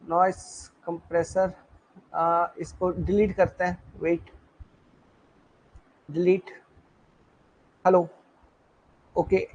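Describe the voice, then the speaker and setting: A man with a high-sitting voice and little pitch movement teaches a live online exam-prep class on his own mic, speaking very slowly with frequent pauses. He repeats himself and keeps checking in with his listeners. The recording quality is low.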